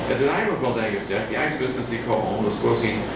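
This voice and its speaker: Very fast pace in a space with audible room echo and loud background noise. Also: man. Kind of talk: reading of a written local history piece. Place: cafe.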